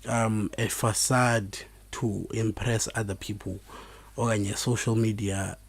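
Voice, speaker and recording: A man with a Xhosa South African accent hosts an informal podcast, speaking in a halting, reflective way. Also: lowish voice, flat delivery, gravelly, husky. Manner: halting, reflective delivery with repeated words. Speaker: podcast host. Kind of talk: informal solo podcast talk, mixing two languages.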